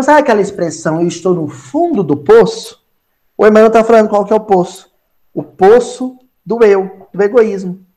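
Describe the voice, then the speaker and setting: A man with a Brazilian accent teaching a Spiritist gospel study, animated, acting out small scenes and repeating phrases for emphasis. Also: high voice. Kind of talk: spoken gospel study lesson.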